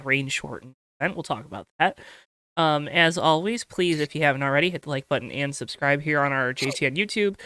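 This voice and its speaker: A young man hosting a casual podcast, with a high-pitched voice, chatty and rambling with fillers. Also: sharp tone, clean tone, no room sound. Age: young adult. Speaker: podcast host.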